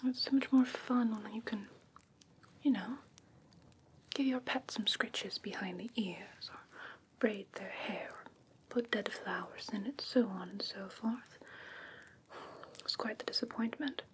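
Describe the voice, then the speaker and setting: A woman playing a whimsical, politely haughty fae creature in an ASMR fantasy roleplay, whispering in a slow, breathy, soothing way close to the mic. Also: medium pitch, slight background noise, close to an everyday voice, low-quality recording. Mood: soothing, admiring. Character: whimsical female fae creature gently inspecting a human pet. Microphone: close ASMR microphone.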